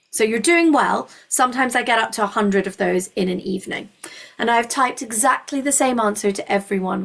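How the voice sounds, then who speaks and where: Encouraging Scottish woman hosting a webinar. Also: medium pitch. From Scotland. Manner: reassuring, encouraging. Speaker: university webinar host. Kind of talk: informal explanatory webinar talk.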